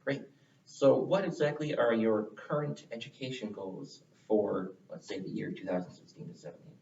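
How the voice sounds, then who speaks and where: A man who serves as interviewer and club area director chats casually with club members in a meeting room, friendly, wordy and encouraging. His medium-pitched voice is creaky and a little mellow at a moderate pace, with slight hiss or hum. The sound is roomy, distant and dull.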